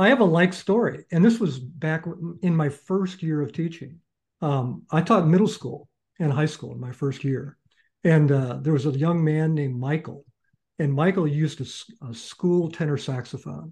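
A man with an unremarkable speaking voice talks at a moderate pace, fairly high for a man, with ordinary pitch variation. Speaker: founder and university band director. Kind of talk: casual interview chat. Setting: video call.

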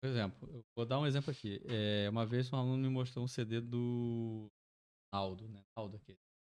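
Medium in pitch and unremarkable, a man's speaking voice moves at a moderate pace with fairly even intonation. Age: 40s. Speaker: podcaster, guest. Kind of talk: casual chat.

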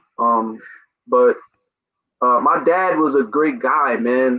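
A normal speaking voice from a man with an American accent, medium in pitch, with fairly even intonation. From Long Branch, New Jersey. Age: 40s. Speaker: chef. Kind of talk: interview. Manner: casual.

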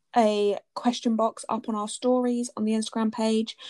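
A dark, mellow tone at a moderate pace comes through in a dry, close sound with no echo. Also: woman. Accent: southern English. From southern England, Southampton. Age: 20s. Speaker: podcast co-host. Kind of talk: casual chat.

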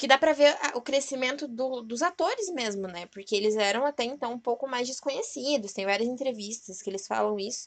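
A woman talks in a high pitch at a fairly quick pace. She barely pauses, and her pitch variation is ordinary. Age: 20s. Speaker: university student, podcast guest. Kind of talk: casual chat.

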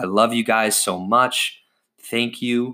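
A man speaks with an American accent in a bright, sharp tone and a monotone, flat intonation. The recording is very clean, with a silent background. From United States. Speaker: podcast host, business coach. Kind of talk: solo podcast monologue. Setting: friend's house in Chicago.

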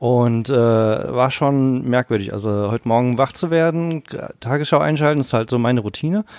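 A man speaks at a medium pitch and a moderate pace, with ordinary pitch variation and an unremarkable speaking voice. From Germany, Syrian-Aramaic family. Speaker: podcast guest. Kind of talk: casual chat.

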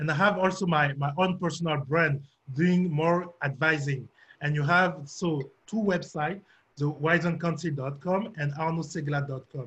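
Here is a man with a French accent and a fairly high pitch. He talks fairly slowly with fairly even intonation. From Gabon. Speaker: business consultant and author. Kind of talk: interview. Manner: halting.

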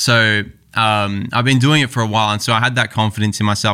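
A man's bright, sharp voice with an Australian accent, fairly low-pitched and flat in intonation, at a fairly quick pace. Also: very clean recording, silent background. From Australia, Melbourne. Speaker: filmmaker and YouTuber. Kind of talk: casual chat.

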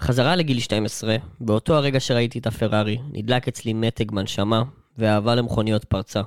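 Speaking at a moderate pace with very even loudness and fairly even intonation, the man has an ordinary speaking voice. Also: medium pitch for a man. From Israel, Bat Yam. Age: 20s. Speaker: podcast host. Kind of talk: casual chat; scripted narration. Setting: studio.

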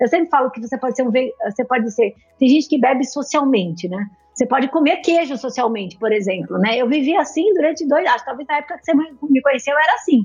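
Against music in the background, the speaker talks at a very fast pace with lively intonation. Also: woman, high pitch for a woman. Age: 40s. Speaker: nutritionist. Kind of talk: casual chat.

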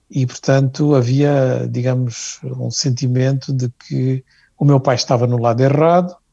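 This man's voice is medium in pitch, somewhat breathy and dark and mellow in tone. He speaks at a fairly slow pace with fairly even intonation. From Guinea-Bissau. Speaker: professor. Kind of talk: interview.

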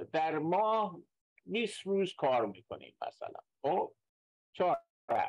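Pausing long and often, a man speaks at a fairly slow pace in a dry, close sound with no echo. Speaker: retail investor, former computer worker. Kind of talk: casual chat about stock investing.

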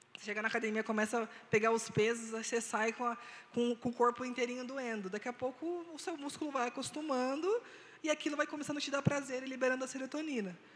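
A woman's high voice at a very fast pace with ordinary pitch variation, over noticeable background noise. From Brazil, Mogi das Cruzes (São Paulo). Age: 30s. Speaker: women's ministry leader at church. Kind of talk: church women's talk, personal testimony.

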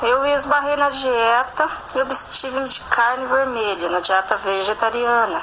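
Noticeable background noise sits behind a woman speaking fairly slowly in a high pitch. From Paraná, southern Brazil. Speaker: listener sending voice message. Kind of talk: recorded voice question.

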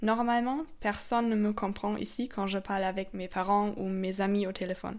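Speaking with a German accent, a woman keeps a medium pitch, moderate pace and fairly even intonation. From Germany. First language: German (speaking French). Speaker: European volunteer, podcast co-host. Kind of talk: scripted podcast narration.

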